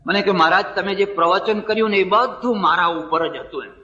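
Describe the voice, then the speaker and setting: High, bright-voiced Gujarati swami preaching. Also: male voice, a little fast. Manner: storytelling, acting out dialogue of others. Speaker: swami giving a discourse. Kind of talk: sermon with told stories. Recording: distant, roomy, dull sound from a hall.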